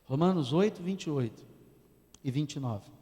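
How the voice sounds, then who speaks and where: A man's voice: on the high side, animated, normal speed, warm tone. A man preaching a sermon as pastor, joking with the congregation and leading call-and-response. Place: church hall. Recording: long church-hall reverb.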